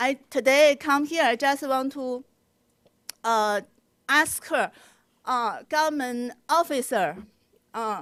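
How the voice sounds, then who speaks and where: In a Chinese accent, a woman speaks at a high pitch with ordinary pitch variation, at a very slow pace with long, frequent pauses. The recording is very clean, with a silent background. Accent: Chinese accent, non-native English. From China. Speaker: public commenter at hearing. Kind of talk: public testimony. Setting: public hearing room. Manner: halting, many fillers.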